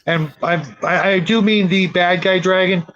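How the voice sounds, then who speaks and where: High-voiced man hosting, slightly muffled. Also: steady tone, normal speed, fairly bright tone, slight background noise. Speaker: host of a tabletop gaming discussion show. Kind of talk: casual panel discussion.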